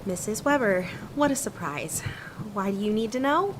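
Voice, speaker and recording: A woman's voice: mid-range voice, expressive, moderate pace, natural voice. Blunt, sardonic young woman, acted, noisy background. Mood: cool, officious. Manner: curt, sardonic. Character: blunt, defiant young daughter of the town mayor. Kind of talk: audio drama acting.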